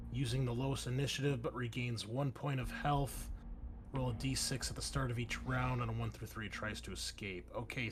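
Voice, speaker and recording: A man's voice: medium pitch, a little hiss or hum. A man running a tabletop roleplaying game as game master, switching between vivid descriptive narration and casual rulings.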